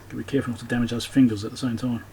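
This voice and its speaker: A man with a mid-range voice talks casually through hands-on repair work. He thinks out loud, often muttering to himself as he goes. Clear background noise sits behind his voice. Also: medium pitch, little pitch movement, rapid-fire. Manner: muttering to himself while working, thinking aloud. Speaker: electronics repairer presenting own repair video.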